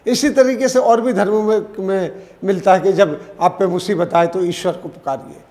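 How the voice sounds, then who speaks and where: A man's voice: sits high, moderate pace, warm tone, big-room sound. A man giving unscripted spoken news commentary, restarting and correcting himself as he talks.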